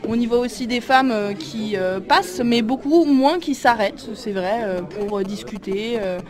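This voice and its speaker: A woman who works for a community association, interviewed outdoors at a street market, speaking hesitantly with many pauses and fillers. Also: fairly high pitch. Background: crowd chatter.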